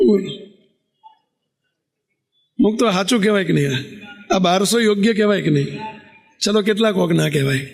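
A man preaches to his congregation in a high, gravelly voice. He keeps asking the crowd questions and tells his stories with lively animation. He talks as a monk giving a sermon. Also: normal speed, long pauses. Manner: animated, rhetorical questions to the audience.

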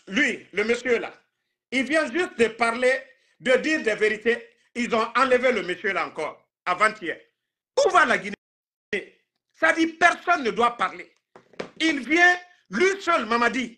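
A man's voice: very high voice, big pitch swings, a little slow, bright, forceful tone. A man in his thirties with a Guinean accent, talking politics on a live stream in an emphatic, indignant, repetitive way. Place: indoor room, video call.

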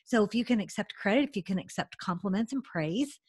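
A woman's voice: medium pitch, lively intonation, brisk, husky, no echo, clean studio sound. A middle-aged woman from the southern United States hosting a video-call interview, talkative and enthusiastic. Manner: enthusiastic, talkative, fillers like you know. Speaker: host. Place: home room indoors. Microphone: video call webcam.

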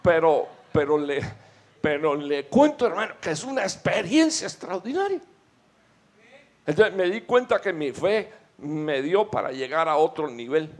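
Fervent higher-voiced male preacher. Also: big pitch swings, a little slow. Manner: fervent, addresses listeners as brother. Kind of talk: sermon.

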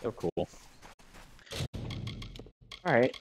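A man's voice: very slow, a little hiss or hum. A man giving casual, rambling and slangy gameplay commentary as a let's play host. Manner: laid-back, rambling, slangy. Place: small room indoors with purple lighting. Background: video game music.

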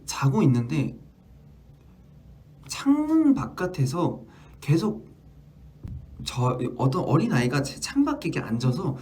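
A man in his twenties hosting a casual livestream, reading fan stories aloud with an animated, jumpy manner. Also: a little high, unhurried, long pauses, slight background noise. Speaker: idol livestream host.

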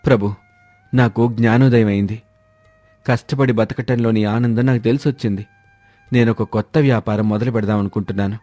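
A man playing a scheming village husband who poses as a holy man, smooth-talking and persuasive, in a storybook dialogue. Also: on the low side, steady tone, brisk, warm tone, close to an everyday voice. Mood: sly, persuasive. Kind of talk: scripted animated moral-story dialogue. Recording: background music under the voice.

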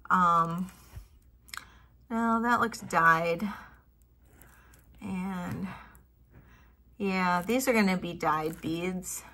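Seated at a table in her home office, a middle-aged woman with a lowish voice casually shows off vintage jewelry finds. She thinks aloud and trails off into soft mutters as she tests the stones.

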